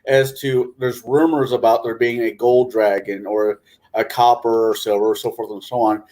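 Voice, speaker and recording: Male panelist, medium pitch, informal and halting, chatting about tabletop role-playing. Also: level tone, dark tone. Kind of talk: casual panel discussion of role-playing games.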